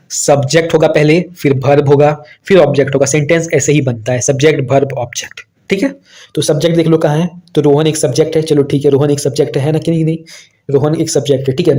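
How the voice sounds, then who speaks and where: Indian male online tutor, young, a bit high, chatty, slow when reading English aloud. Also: dark tone. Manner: talks to children, repeats "theek hai" often; reads English questions slowly, word by word. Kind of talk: exam solution walkthrough.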